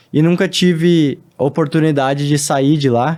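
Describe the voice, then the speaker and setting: A man speaks with a southern Brazilian accent. His tone is dark and mellow, with fairly even intonation. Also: very clean recording, silent background. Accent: southern Brazilian (gaúcho). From southern Brazil, Novo Hamburgo, Rio Grande do Sul. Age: 20s. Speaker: racing driver. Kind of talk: interview.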